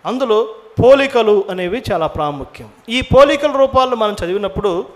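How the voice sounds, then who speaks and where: A man delivers a Bible-teaching sermon in a noticeably high voice. He teaches by questioning his listeners, often answering himself. He slips English words into his speech. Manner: asks the audience many questions, drops in English words. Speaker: preacher.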